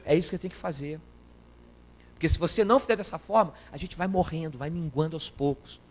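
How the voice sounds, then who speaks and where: A man preaches to his congregation with a high, ringing voice. He is emphatic and keeps calling out for an amen between points. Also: fast. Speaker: guest preacher. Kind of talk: sermon.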